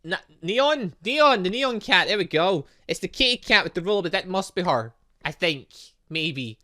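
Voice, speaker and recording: A man hosting a gaming video, giving casual, excitable and rambling commentary and stumbling as he reads game text aloud. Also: sits high, moderate pace. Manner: excitable, rambling, stumbles over read lines. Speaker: gaming video host, let's play narrator.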